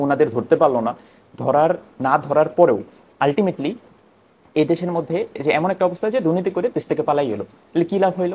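Lively intonation marks this man's speech. His pitch sits fairly high. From Bangladesh. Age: 20s. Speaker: medical student; education commentator. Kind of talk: opinion monologue; opinion talk to camera. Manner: halting. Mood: earnest, critical. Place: home room. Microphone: lapel.

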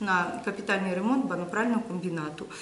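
Talking at a very fast pace with ordinary pitch variation, a woman is heard over light background noise and audible room echo. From western Ukraine. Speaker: care home director, job candidate. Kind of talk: job interview presentation. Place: meeting room. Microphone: camera far.

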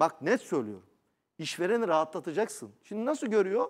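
A man's high voice with very wide pitch swings, a fairly quick pace and a quiet background. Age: 40s. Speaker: lawyer. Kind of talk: TV news interview. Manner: animated. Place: studio. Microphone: lapel.

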